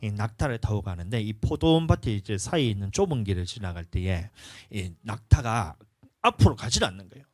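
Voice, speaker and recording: A man's voice: on the low side, a little fast, no echo. A male pastor preaching a sermon, telling stories and acting out the dialogue in different voices. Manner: animated storytelling, acts out dialogue in different voices.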